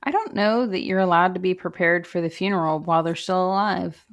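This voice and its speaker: A woman's voice: on the low side, a little fast. A woman co-hosting a true crime podcast, chatting casually with wry, joking interjections. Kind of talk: casual chat with quips.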